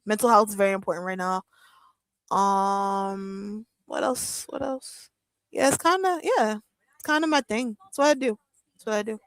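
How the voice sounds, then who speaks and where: A woman's voice: mid-range voice, normal speed, dry recording, poor audio. A woman in her thirties chatting casually on a live wrestling watch-along, joking with her chat, laughing often and using lots of fillers. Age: 30s. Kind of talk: casual live-stream chat reading comments.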